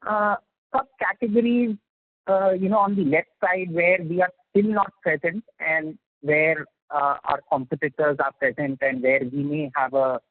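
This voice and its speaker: Husky higher-voiced man on a phone. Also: no echo. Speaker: investor caller. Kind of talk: polite question on a conference call. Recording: dry, thin phone line.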